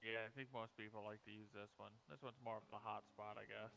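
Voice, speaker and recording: A man's voice: lowish voice, steady tone, fast, gravelly, bright, forceful tone, a little hiss or hum, low-quality recording. A man chatting casually in character as a survivor in an online roleplay game. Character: Alex, helpful scavenging survivor in zombie roleplay.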